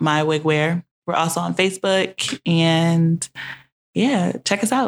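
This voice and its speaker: In an American accent, a woman with an unremarkable speaking voice talks at a fairly slow pace, her fairly low pitch showing ordinary variation and her loudness very even, in a dry, close sound with no echo. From Maryland, US. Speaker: entrepreneur. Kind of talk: casual chat.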